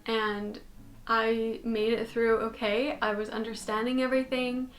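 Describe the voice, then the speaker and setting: Sitting indoors in her bedroom, a young woman from Canada talks animatedly to a fixed camera at desk distance, gesturing as she goes. Her fairly high voice moves a little slowly through this chatty, casual vlog.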